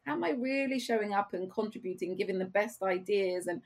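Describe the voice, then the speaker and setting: A woman guest on an interview podcast, a career coach, explaining her views in a measured way with rhetorical questions. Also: mid-range voice. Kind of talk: conversational interview.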